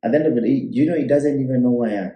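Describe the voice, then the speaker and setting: In an echoey room in Kenya, a business owner with a Kenyan accent races through a casual interview chat as a guest, speaking easily but with hesitant restarts. His voice is mid-range, and the audio sounds dull.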